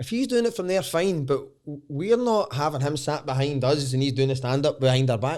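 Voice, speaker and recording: This man has a Glaswegian accent and a fairly high pitch. He talks at a fairly quick pace with lively intonation and hardly any pauses. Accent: Glaswegian Scottish. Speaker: stand-up comedian. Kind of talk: casual chat. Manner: animated.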